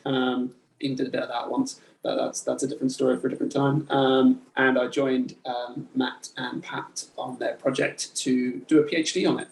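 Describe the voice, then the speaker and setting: Gravelly, flat-voiced man in a roomy room. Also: mid-range voice. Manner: self-deprecating, halting, with many ums. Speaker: company director and researcher. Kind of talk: self-introduction on a video call.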